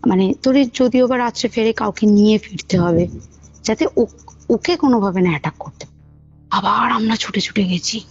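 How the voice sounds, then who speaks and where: A woman's voice: medium pitch, moderate pace, slightly rough. A woman telling a personal story casually as a caller, acting out the dialogue she quotes, on a phone call recording. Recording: muffled phone call recording, music underneath. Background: background music.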